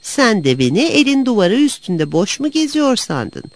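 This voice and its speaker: A woman's voice: a little high, sing-song, normal speed, no room sound, voice pushed up. A woman voicing a hungry black cat who threatens another cat in a storybook. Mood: threatening.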